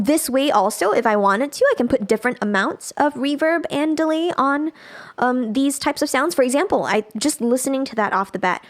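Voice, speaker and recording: A woman giving a casual live software tutorial as a music production instructor, thinking aloud as she demonstrates. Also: on the high side.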